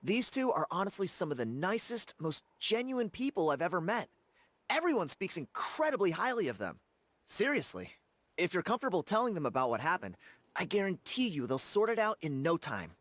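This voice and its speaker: An actor playing a friendly, upbeat young tribesman in a video game, talking warmly and enthusiastically. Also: high-pitched, very animated, fairly quick, no room sound, exaggerated voice. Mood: enthusiastic. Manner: warm and enthusiastic.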